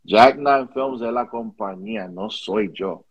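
A man's voice: fairly low pitch, takes it slowly, husky, highs cut off. A man with a Caribbean Spanish accent answering casually as an interview guest, repeating words and mixing English phrases into his Spanish. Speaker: interview guest, music video director.

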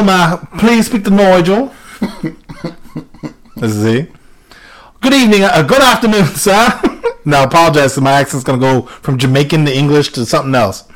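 A man co-hosting a loose, joking podcast. His voice sits fairly high and swings widely in pitch as he tells stories, imitates callers and cracks up. He talks in casual slang. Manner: animated storytelling, bursts of laughter, mimics voices. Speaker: podcast co-host. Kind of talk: casual comedic chat.

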